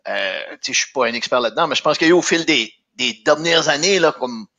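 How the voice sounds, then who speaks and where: A man's voice: on the high side, quick pace, bright, forceful tone, dry recording. A man, co-hosting a live talk show and telling stories in a rambling, chatty way. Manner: chatty, rambling storyteller, mixes in English. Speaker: co-host, show writer.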